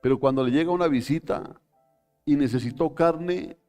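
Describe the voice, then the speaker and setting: A man's voice: a little high, fast talker, warm tone, faint music behind, lightly acted. A man voicing an indignant, hot-tempered King David, with outraged, rising exclamations.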